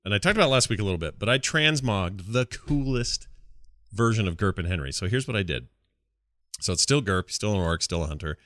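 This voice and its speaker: A man's voice: lowish voice, lively intonation, brisk, a bit bright, no room sound, studio quality. A man hosting a gaming podcast, chatting casually and with informal enthusiasm. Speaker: podcast host.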